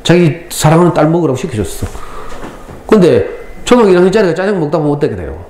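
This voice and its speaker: A middle-aged man with a Gyeongsang Korean accent, giving a lively parenting lecture to school parents and acting out lines as he tells stories. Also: fairly high pitch, very fast. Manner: lively storytelling, acts out lines. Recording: echoey hall, faint ambience.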